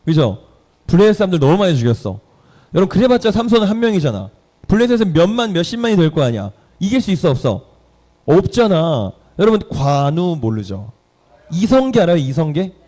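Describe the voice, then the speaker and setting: A man preaching to teenagers in a lively way, putting questions to his listeners. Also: sits high, fairly quick. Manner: lively, quizzes the audience. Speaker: youth pastor. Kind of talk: sermon to teenagers. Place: church hall.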